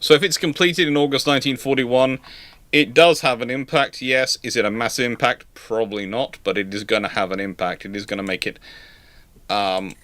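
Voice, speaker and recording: A man's voice: medium pitch, fairly even intonation, a bit bright, no room sound. Guy doing live history q&a, stop-start delivery, dry humour, very dry close sound. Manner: hesitant, halting delivery with repeated words. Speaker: host answering audience questions. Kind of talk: live history Q&A, informal commentary.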